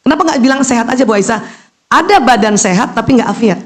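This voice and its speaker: A middle-aged woman delivers an animated religious lecture. Her voice jumps high and drops low as she teases her listeners and poses questions only to answer them herself. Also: quick pace. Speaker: Islamic lecturer and doctor.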